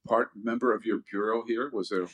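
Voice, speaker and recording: Man, lowish voice, interview host, easygoing, halting questions, conversational. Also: fairly even intonation, a bit bright. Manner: easygoing, prompting questions with fillers.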